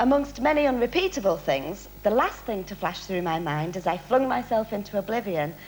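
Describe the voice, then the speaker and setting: A woman speaks at a moderate pace in a medium pitch, her voice swinging very widely up and down. Music plays in the background. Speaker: dating show contestant. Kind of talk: game show questions.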